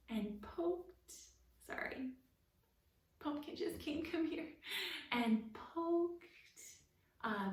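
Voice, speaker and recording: A woman narrating a children's picture book expressively as a storytime reader. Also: on the high side. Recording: roomy echo, distant mic, faint noise.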